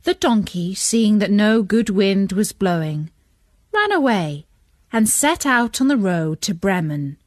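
A woman reading a children's story as narrator, expressive and measured. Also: medium pitch, no echo, clean studio sound.

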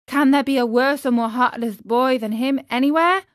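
A woman's voice: sits high, normal speed, no room sound, studio quality, close to an everyday voice. A woman voicing a naive young wooden puppet boy in a storybook reading, speaking in an earnest, pleading, childlike way. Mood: remorseful. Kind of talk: storybook character voice.

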